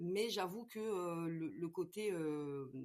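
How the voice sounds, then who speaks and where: A woman's voice with ordinary pitch variation. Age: 40s. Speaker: podcast guest with ADHD, mother. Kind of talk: interview testimony. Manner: halting, many repetitions and fillers.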